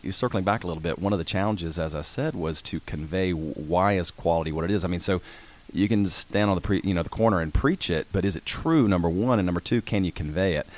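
A man's voice: low voice, fast talker. A middle-aged man from Georgia, a guest in a radio studio, talking in a folksy, rambling way with many self-corrections. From Georgia, USA. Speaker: orthodontist guest. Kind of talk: casual radio interview. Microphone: studio mic with headphones.

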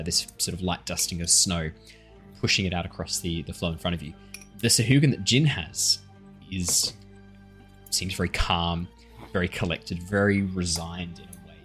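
A man with a very deep voice narrates a tabletop roleplaying game off the cuff as its game master. He slips between description and casual, self-deprecating chat with players. Faint music plays behind him. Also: bright, forceful tone.

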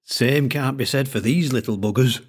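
A man voicing an older male collector with a thick Lancashire accent, speaking in a slow, droning storytelling way. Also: medium pitch, husky, voice pushed up, lightly acted.

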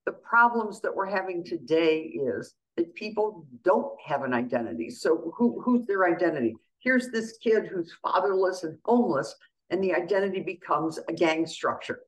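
An older woman, a guest on a radio interview, who grew up speaking Greek at home and tells her stories in a lively way, acting out the exchanges she quotes. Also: lowish voice, moderate pace, rough recording. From USA. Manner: animated storyteller, acts out quoted exchanges. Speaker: guest, county treasurer.

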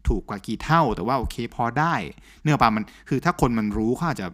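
A man in casual podcast chat, blunt and animated, swearing freely as he rants. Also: mid-range voice, fast talker. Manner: blunt, animated, crude slang. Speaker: podcast co-host.

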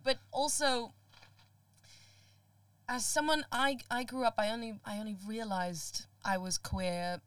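Young woman from Sri Lanka, podcast guest, animated and laughing, dry, slightly distant mic. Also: on the high side, a little slow, smooth, no room sound. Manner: animated, laughs often, restarts words. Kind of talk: casual podcast conversation.

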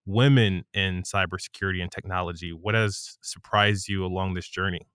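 Smooth low-voiced male co-host. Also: fairly even intonation, moderate pace, a bit bright, dry recording, clean studio sound. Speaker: podcast co-host. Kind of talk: conversational interview.

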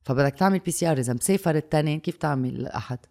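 A Lebanese speaker with a Levantine Arabic accent talks quickly in a mid-pitched voice. The chat is casual, with foreign loanwords dropped in and phrases repeated for emphasis. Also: a little mellow. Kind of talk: casual conversation mixing in English and French loanwords.

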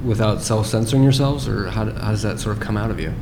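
A friendly man hosting a podcast with a fairly low voice. He asks warm, admiring questions and pauses to find his words. A clear background noise runs behind him. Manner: friendly, admiring, a little hesitant with fillers. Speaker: podcast host. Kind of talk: casual interview.

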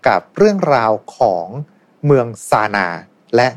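A man hosts a relaxed talk show. He introduces his guest and keeps the chat going with quick, friendly replies at an even, middle pitch. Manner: friendly, brief backchannel replies. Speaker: host. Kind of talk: casual podcast chat.

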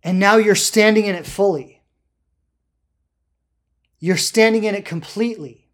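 Emphatic, deliberate spiritual self-help coach. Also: medium pitch. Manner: emphatic, deliberate, with drawn-out words and rhetorical check-ins. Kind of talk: motivational spiritual talk, unscripted.

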